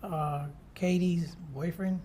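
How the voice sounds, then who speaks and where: A man's voice: high-pitched, fairly even intonation, slow, dark tone. A man from Miami giving sworn testimony in a courtroom, answering tersely and deferentially. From Miami, born in Puerto Rico. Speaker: witness, convicted co-defendant. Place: courtroom witness stand. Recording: noisy courtroom microphone.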